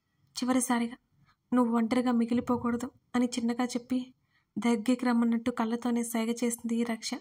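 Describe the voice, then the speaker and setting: A woman storyteller reads a scripted love story in a steady, even manner. Her voice is fairly high and keeps to a narrow, level pitch throughout.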